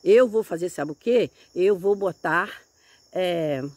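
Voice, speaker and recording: A woman's voice: lowish voice, slow, a little mellow, no room sound. A woman, chatting folksily while tending her garden outdoors. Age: 70s. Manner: chatty, folksy, keeps saying "look here", religious exclamations. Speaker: grandmother gardening vlogger. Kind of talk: casual chat while tending plants.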